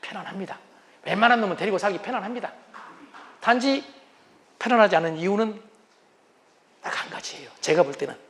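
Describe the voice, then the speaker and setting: A man giving a humorous lecture on couples' communication, animated and acting out what spouses say. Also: high voice, a little fast, long pauses, a little hiss or hum. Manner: animated, acts out spouses' lines.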